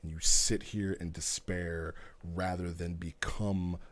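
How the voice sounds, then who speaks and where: A man voicing an ancient evil devourer in a roleplay, commanding and contemptuous, with slow, menacing declamation. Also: low voice, flat delivery. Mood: contemptuous menace.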